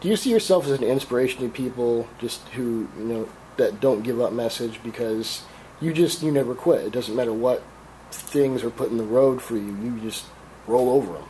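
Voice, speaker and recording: A man with a raspy voice from a cold, interviewing an athlete as a sports reporter with direct questions. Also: mid-range voice, normal speed, dark tone, slight background noise, low-quality recording.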